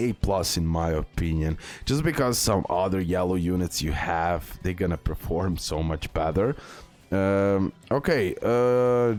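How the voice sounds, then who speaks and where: Male gaming video host, lowish register, off-the-cuff and repetitive delivery, faint music underneath. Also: a little mellow. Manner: repeats himself, checks in with "okay" and "guys". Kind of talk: casual unscripted game tier-list commentary.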